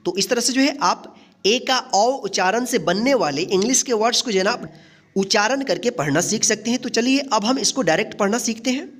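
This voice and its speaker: A woman's voice: fairly high pitch, lively intonation, fairly quick. A woman teaching a phonics lesson, spelling each word letter by letter and then saying it whole, and asking the viewer questions as she goes. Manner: asks the viewer questions and repeats the rule. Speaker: English teacher.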